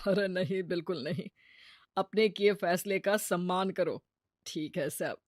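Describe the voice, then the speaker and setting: A woman voicing a calm middle-aged husband who reassures his wife in a lowered voice. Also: normal speed, no room sound, clean studio sound, close to an everyday voice. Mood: reassuring.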